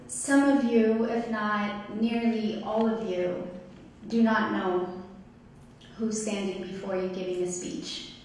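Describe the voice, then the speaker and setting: Slow, measured woman speaker in an echoey hall. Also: mid-range voice, level tone, a little mellow. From Ethiopia. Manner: slow, deliberate, measured delivery. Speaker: guest speaker. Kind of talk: prepared community talk. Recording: echoey hall, distant mic, faint noise.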